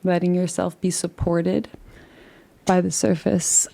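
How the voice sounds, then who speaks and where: Gentle, creaky-voiced woman guiding meditation. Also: lowish voice, level tone, poor audio. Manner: soothing, unhurried, gentle instruction. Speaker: meditation guide. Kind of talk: guided relaxation meditation.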